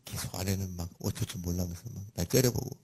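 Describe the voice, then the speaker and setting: A middle-aged man, a pastor, preaching a sermon and telling a family story with sudden loud, emphatic rises. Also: deep voice, quick pace, a little hiss or hum.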